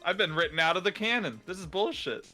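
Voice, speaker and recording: A man streaming a game, bantering loudly and joking, swearing in exasperation. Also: sits high, animated, fast, soft background music. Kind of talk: casual banter while playing.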